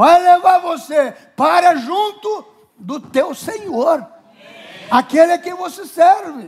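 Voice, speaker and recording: A man at a very slow pace with lively intonation. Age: 60s. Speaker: pastor. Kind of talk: sermon. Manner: conversational, colloquial.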